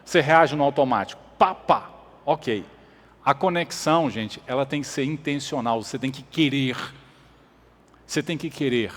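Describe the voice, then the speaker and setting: A man's voice: on the high side, in a large hall. A man preaching a sermon as pastor, emphatic, repeating his points and asking the congregation questions. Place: church.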